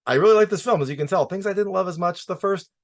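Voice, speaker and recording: A man's voice: sits high, quick pace. A man hosting a casual, opinionated film review, talking emphatically and introducing his points with repeated set phrases.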